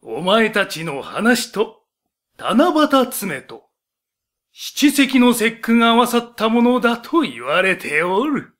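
A man's voice: very high-pitched, very animated, slow pace, a bit bright, exaggerated voice. A man voicing a proud, doting old heavenly emperor who explains things in old-fashioned elder's speech for an educational story. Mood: solemn, encouraging. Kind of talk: scripted educational story narration.

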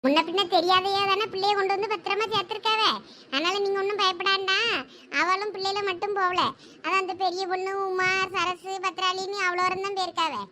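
A woman's voice: extremely high pitch, little pitch movement, fairly quick, sharp tone. A woman with a Thoothukudi Tamil accent playing a caring village housewife who coaxes and reassures in a talkative way. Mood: reassuring. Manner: coaxing, talkative. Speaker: village wife. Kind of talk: village drama acting.

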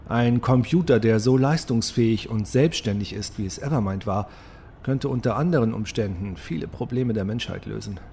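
A man's voice: lowish voice, moderate pace, creaky, mellow, slight background noise. A man playing a sober, resigned scientist and project leader, dictating a formal, solemn log entry in an audio drama. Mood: resigned, reflective.

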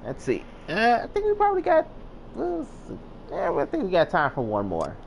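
A man's voice: high-pitched, wildly swooping pitch, moderate pace, vocal fry. A man who streams games, giving casual, off-the-cuff gameplay commentary. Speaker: game streamer. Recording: faint game noise behind voice.

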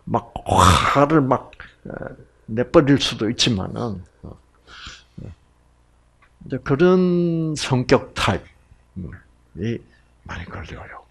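A man's voice: medium pitch, takes it slowly, creaky, long pauses, slightly rough. A middle-aged man giving a health lecture to an audience, acting out quoted voices. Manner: animated, acts out quoted voices.

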